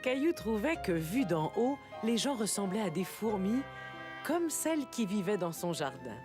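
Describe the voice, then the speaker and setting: A woman narrating a children's cartoon in a gentle, measured storytelling way. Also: medium pitch, sing-song. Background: music.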